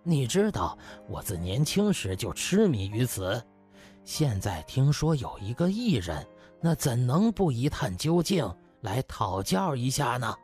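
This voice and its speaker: A man's voice: mid-range voice, big pitch swings, unhurried, a little mellow, faint music behind. A man voicing a humble, genial elderly country doctor with courteous, old-fashioned phrasing in an audiobook. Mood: genial, curious.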